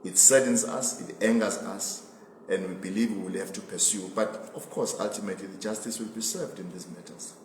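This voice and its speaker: A man with a Swazi accent giving a political address in an interview, speaking emphatically and deliberately and repeating phrases for emphasis. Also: on the low side. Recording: echoey reverberant room with background noise.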